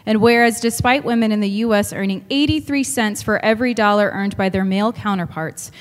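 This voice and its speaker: A woman, a councilwoman, reading a formal resolution aloud in a measured way in council chambers. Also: medium pitch, long reverb tail.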